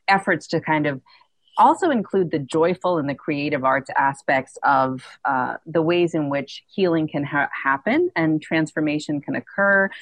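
Woman, very low voice, podcast host, rambling with fillers, dry close sound. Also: no echo. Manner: rambling, many fillers and restarts. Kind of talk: casual interview talk.

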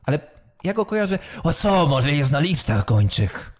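A man's voice: on the high side, big pitch swings, normal speed, voice pushed up. A man voicing a nosy townswoman who thinks she recognizes a stranger. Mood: prying. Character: nosy female townswoman, prying and shrill.

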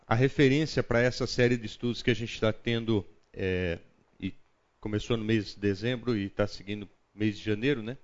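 A man's voice: mid-range voice, a little mellow. Brazilian guy running a bible study, chatty, keeps saying "right?", kinda muffled audio. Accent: Brazilian Portuguese. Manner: chatty, thinks aloud, frequent tag questions. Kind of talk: opening prayer, then conversational teaching.

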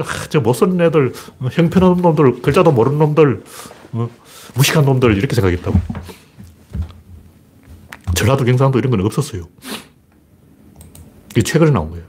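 A man talks through a loose commentary monologue, rambling and blunt. His voice is husky, and his pitch jumps around a lot as he lays out sharp opinions with homespun asides. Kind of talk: casual spoken commentary monologue.

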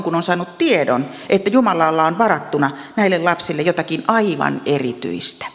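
A woman with an Ostrobothnian accent, telling Bible stories in a devotional talk with chatty asides and gentle humor. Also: on the low side, long reverb tail. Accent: Ostrobothnian Finnish. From Ostrobothnia, Finland. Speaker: Bible teacher.

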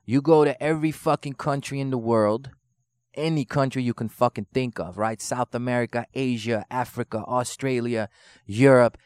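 A man's voice: medium pitch, fairly even intonation, normal speed, a little mellow, smooth, dry recording, studio quality. A man who grew up in the Netherlands, a rapper guest talking casually in street slang, peppered with swearing and "you know what I'm saying". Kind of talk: casual interview chat.

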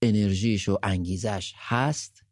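A man's voice: fairly low pitch, fairly even intonation, dry recording. Emphatic male co-host, dry close sound. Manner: emphatic, repeats phrases for stress. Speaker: podcast co-host. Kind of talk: live podcast chat.

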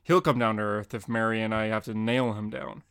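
A man voicing a stern, gruff middle-aged father in an amateur comic reading. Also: fairly low pitch, steady tone, fairly quick, fairly bright tone, no room sound, studio quality. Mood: dismissive. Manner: gruff, scolding.

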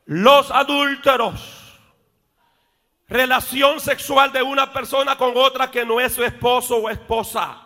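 A male pastor preaching a sermon in church, rising to shouts and dropping into joking asides. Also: very high-pitched, steady tone, measured pace. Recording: long reverb of a church hall.

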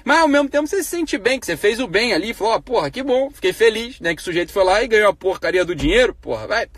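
A man talks at a quick clip to his live stream audience in a high, husky voice. He is blunt and profane, firing rhetorical questions, and the sound is close and dry. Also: animated, fairly bright tone, no echo. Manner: grows heated and emphatic. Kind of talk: casual live-stream monologue on ethics.

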